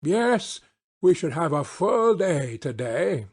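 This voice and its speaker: Guy doing a confident bossy detective for an audiobook, highish husky voice, very emphatic. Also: very animated, takes it slowly, darkish tone, exaggerated voice. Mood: eager. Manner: commanding, emphatic, precise phrasing. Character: masterful, confident, eager male detective. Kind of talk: audiobook character acting.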